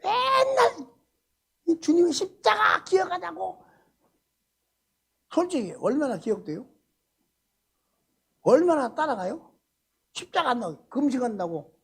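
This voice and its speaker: An older man preaching a sermon in a church at a Friday service. He talks emphatically, shifting from loud exclamations to hushed asides and firing rhetorical questions at the congregation. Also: very high voice, creaky, husky. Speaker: senior pastor.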